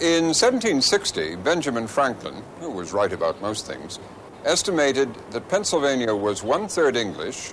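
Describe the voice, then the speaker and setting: Vocal fry runs through a man's medium-pitched voice as he speaks at a moderate pace. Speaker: documentary host. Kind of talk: documentary narration.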